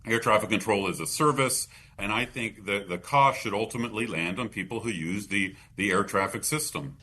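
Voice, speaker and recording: A North American man answers as a policy expert in an interview. His voice is fairly low but bright and forceful, and he explains haltingly, restarting phrases as he goes.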